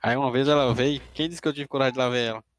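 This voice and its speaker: A man's voice: mid-range voice, steady tone, very fast, no echo. A man chatting casually on a stream and joking along with his friend. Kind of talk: casual chat.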